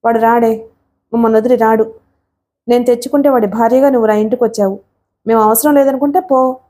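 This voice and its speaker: A woman's voice: fairly high pitch, steady tone, fairly quick, warm tone, lightly acted. A woman reading the part of an indignant older mother-in-law who scolds her daughter-in-law.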